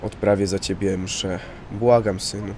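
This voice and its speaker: A man's voice: sits low, little pitch movement, a little slow, a little mellow, slight background noise, voice pushed down. A man voicing a desperate older priest who begs in a breathless, pleading way. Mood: weak, begging.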